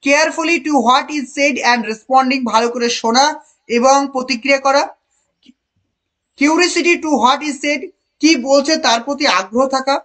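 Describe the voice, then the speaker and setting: A high-pitched teacher leads an online exam-prep class. The voice asks students question after question, repeats the key answers and praises pupils by name. English options are read out slowly. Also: fairly bright tone.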